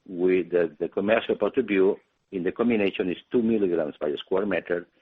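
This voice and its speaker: A man who is not a native English speaker, husky, explaining things on a business conference call in non-native phrasing. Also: low voice. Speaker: company executive answering analysts. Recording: muffled narrowband phone line.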